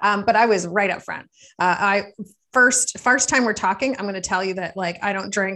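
Over a silent background in a very clean recording, a woman with a Canadian accent talks at a moderate pace in an animated tone, her medium pitch showing ordinary variation. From Canada. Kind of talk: casual interview chat. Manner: animated, laughs often.

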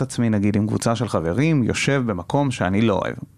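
Over a quiet background, a man with an unremarkable speaking voice talks at medium pitch with lively intonation. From Israel, Golan Heights kibbutz. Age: 20s. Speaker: communications student and metal band musician. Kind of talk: casual chat. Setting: studio.

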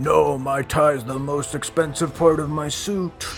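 A man's put-on character voice, fairly high-pitched and at a moderate pace, over clear background music. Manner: pompous, indignant.

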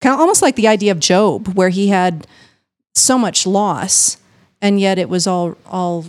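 In a very clean recording with a silent background, a woman speaks with an American accent at a moderate pace. She has a plain, everyday voice, medium in pitch, with ordinary pitch variation. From US Midwest. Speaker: podcast guest. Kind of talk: casual chat.

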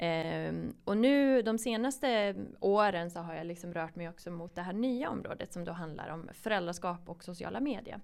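A woman with a fairly low pitch talks at a moderate pace with hardly any pauses, lively intonation and big swings in loudness. The recording is very clean, with a silent background. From Sweden, Lindesberg. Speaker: researcher. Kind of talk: interview. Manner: halting.

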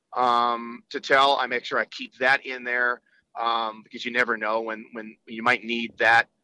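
A man speaks at a medium pitch in a bright, sharp tone. His intonation is monotone and flat. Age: 40s. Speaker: NBA play-by-play announcer. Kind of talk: interview chat.

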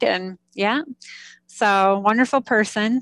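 Here is a woman with an unremarkable speaking voice, fairly high in pitch. Her pitch varies in an ordinary way over a quiet background. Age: 50s. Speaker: author and former English teacher. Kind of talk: interview.

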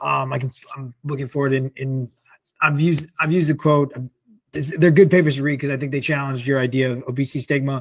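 Delivered at a very fast pace, this man's somewhat breathy, fairly high voice stays monotone and flat, with a dry, close sound and no echo. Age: 30s. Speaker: nutrition researcher and coach. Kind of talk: interview conversation.

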